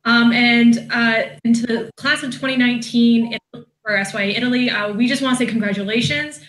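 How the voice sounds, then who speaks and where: An admissions marketing manager hosts a casual, moderated online alumni hangout, friendly and upbeat, with many "um"s and "uh"s. Her voice is a little high, a bit bright, steady in tone, and a little fast. The audio is poor and reverberant.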